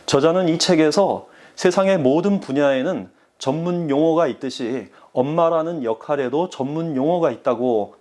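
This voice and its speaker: A man's voice: on the high side, a little mellow. Korean-speaking pastor man, earnest sermon. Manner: earnest, addresses the congregation directly.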